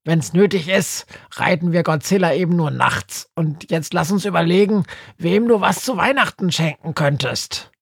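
A man's voice: fairly high pitch, moderate pace, vocal fry, breathy edge, dry recording, studio quality, voice pushed up. A man voicing a small winged male creature who talks in an eager, pushy way.

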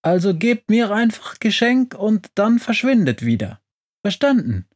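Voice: very animated, unhurried. Baba Yaga, a snappish young witch. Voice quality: high, sharp, snappish. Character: young grumpy rude witch, crying inside. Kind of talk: storybook reading.

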